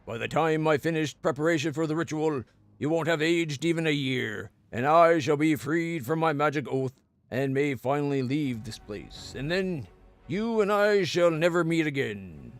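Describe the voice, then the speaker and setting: A man's voice: on the high side, moderate pace, faint music behind, lightly acted. A man voicing an arrogant undead lich in a sneering, gloating, haughty manner, reading fantasy game dialogue aloud.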